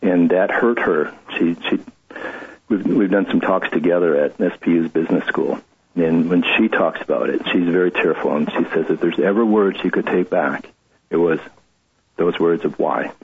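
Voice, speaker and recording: A middle-aged man telling his story earnestly as an interview guest, halting and confessional. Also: low-pitched, breathy edge. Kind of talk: personal testimony interview. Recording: tinny phone-line radio audio.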